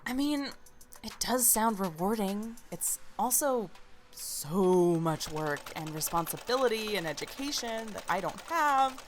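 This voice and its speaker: A woman's voice: mid-range voice, lively intonation, a little slow, soft background music, close to an everyday voice. A woman playing an encouraging young diner worker in an audio drama, with a casual, playful manner. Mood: wistful. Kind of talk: naturalistic audio drama acting.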